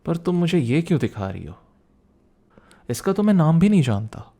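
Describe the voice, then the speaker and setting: A man playing a young student boyfriend, teasing and protective, in an intimate ASMR roleplay with a soft conversational delivery. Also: a little high, sing-song, moderate pace. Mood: teasing, confused.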